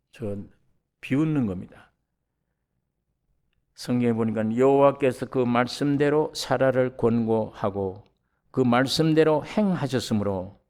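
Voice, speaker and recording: Middle-aged man, pastor giving a sermon; lively, acts out quotes, mid pitch. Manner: animated preaching, acting out quoted voices with rising pitch and volume.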